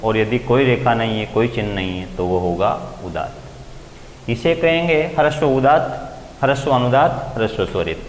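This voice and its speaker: A man's voice: expressive, normal speed. A male grammar teacher lecturing step by step, lifting his voice on key terms. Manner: explains step by step, raising pitch to stress key terms. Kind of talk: classroom lecture. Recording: echoey room with long reverb, faint ambient noise.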